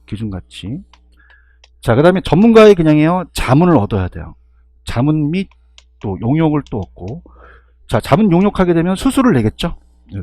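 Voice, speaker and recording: A man with a husky voice giving an exam-review lecture, constantly firing rhetorical questions and checking in with his students. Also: fairly high pitch, a little mellow, no echo.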